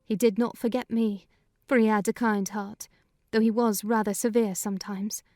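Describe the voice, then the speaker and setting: A woman's voice: mid-range voice, fairly even intonation, moderate pace, dark tone, dry recording, studio quality, natural voice. A woman reading a kindly, talkative older housekeeper in a dramatized audiobook. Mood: storytelling. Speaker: narrator voicing housekeeper.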